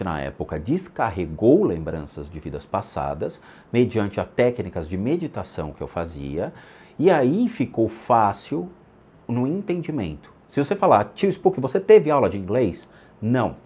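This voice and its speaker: A man's voice: fairly low pitch, breathy edge. A middle-aged man hosting a channel, chatting casually and animatedly and acting out the dialogue in his stories, with frequent restarts. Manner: animated storytelling, acts out quoted dialogue; many fillers and restarts. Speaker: channel host answering subscriber questions. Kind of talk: casual monologue.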